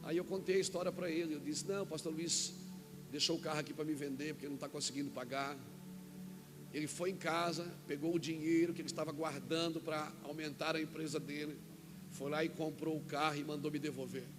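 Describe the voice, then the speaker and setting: A Brazilian man preaching a sermon as a pastor, telling a personal story with quoted dialogue and rising to shouts at the peaks. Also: on the high side, steady tone, quick pace, over music. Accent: Brazilian Portuguese. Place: church event hall.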